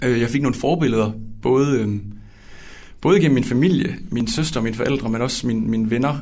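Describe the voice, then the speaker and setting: Over audible room echo, a man talks at a fairly quick pace in a medium pitch with ordinary variation. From West Jutland, Denmark. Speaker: teacher-training student. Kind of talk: faith testimony interview. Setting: studio.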